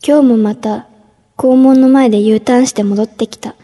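An actress voicing a timid junior-high schoolgirl, narrating her thoughts softly in a radio drama. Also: fairly even intonation, moderate pace, a little hiss or hum, close to an everyday voice. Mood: withdrawn. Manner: soft inner-monologue narration, hushed at times.

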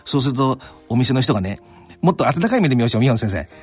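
A man's voice: medium pitch, very fast, slightly rough, soft background music. A man from Kanto hosting a radio talk show, telling stories with many fillers in a studio. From Kanto, Japan. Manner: animated storytelling with many fillers. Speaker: radio interviewer.

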